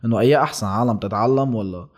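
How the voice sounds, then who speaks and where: A man's voice: lowish voice, rapid-fire. A man with a Lebanese Arabic accent chatting casually, telling anecdotes and throwing in rhetorical questions.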